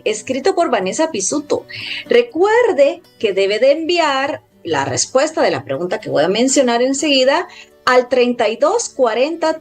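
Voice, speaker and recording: A woman hosts a radio call-in show, talking straight to her listeners in an upbeat, promotional way. Her voice is high and animated, swinging widely in pitch. Faint music runs underneath. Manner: lively, promotional, addresses listeners directly.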